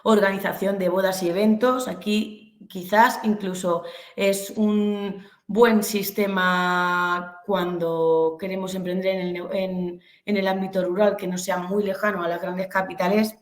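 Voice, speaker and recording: A woman with a Castilian Spanish accent, from Albacete in Castilla-La Mancha, gives an informal online business lecture as a webinar presenter. Her medium-pitched voice is flat and unhurried, and she explains hesitantly, searching for words. The room sounds echoey.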